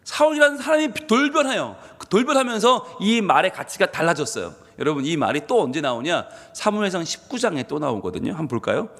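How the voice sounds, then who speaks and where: Lively preaching pastor in a reverberant church. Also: male voice, on the high side, fast, hardly any pauses. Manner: lively preaching, asks the congregation questions. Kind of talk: early-morning sermon. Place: church sanctuary.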